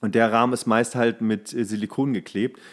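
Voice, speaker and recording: A man with a mid-pitched voice talks as a podcast co-host. He rambles with enthusiasm and slang, keeping the chat casual and comedic. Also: fairly even intonation, brisk.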